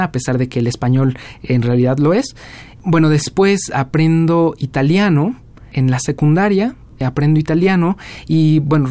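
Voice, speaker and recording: A Mexican man in his twenties, a young jazz musician answering interview questions in a relaxed storytelling way with many fillers. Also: fairly high pitch, dry recording. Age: 20s. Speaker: guest musician.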